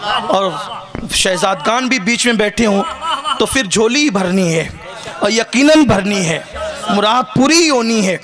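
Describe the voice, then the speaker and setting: A man preaching a sermon to a gathering in South Asian Urdu, impassioned, rising to shouts and joking with the crowd. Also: high-pitched, expressive. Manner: jokes with the crowd. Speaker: religious orator. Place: outdoor religious gathering with listeners.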